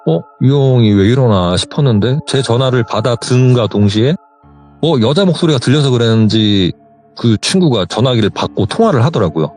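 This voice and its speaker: Animated man retelling a story by phone. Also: medium pitch. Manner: animated retelling, quoting others in dialogue. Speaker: caller telling a true ghost story.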